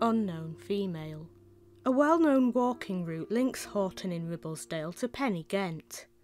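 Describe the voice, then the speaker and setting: Music plays in the background as a woman speaks. She talks at a fairly slow pace with very wide pitch swings. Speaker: narrator. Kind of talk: documentary narration.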